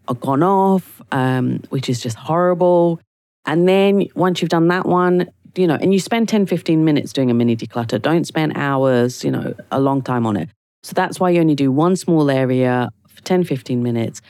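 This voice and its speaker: A woman hosting her own podcast, croaky from a cold, chatting casually with lots of fillers and restarts. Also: low voice, mellow, no echo, clean studio sound. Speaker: podcast host. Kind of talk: casual solo podcast talk.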